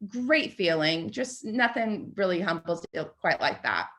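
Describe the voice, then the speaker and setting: A woman in her late twenties, a podcast guest, telling a story in a chatty, animated way and filling her speech with "like.". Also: lowish voice, a little slow. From United States. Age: 20s. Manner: chatty, animated, lots of "like" fillers. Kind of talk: casual storytelling.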